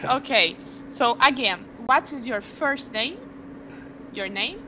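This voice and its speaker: Bright woman tutor on a video call. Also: a little high, lively intonation, slow, a little hiss or hum, poor audio. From Brazil. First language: Portuguese. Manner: patient, curious questioning. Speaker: language tutor. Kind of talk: online tutoring session. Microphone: headset on a video call.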